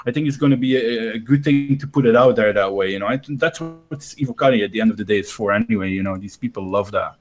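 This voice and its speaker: A man's voice: lowish voice, fast, hardly any pauses, faint music behind. A man talking casually as a panellist on a gaming podcast. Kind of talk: casual panel discussion about a video game.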